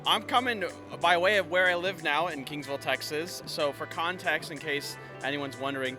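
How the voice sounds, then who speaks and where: A young man shares friendly stories about past events. His voice sits a little high, and music plays clearly in the background. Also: moderate pace. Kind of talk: casual interview answers. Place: outdoors at an event.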